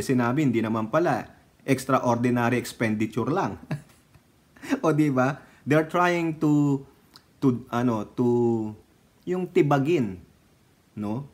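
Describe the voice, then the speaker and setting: A Filipino man giving casual political commentary, chatty and teasing, laughing often and dropping from loud remarks to low asides. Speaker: political vlogger.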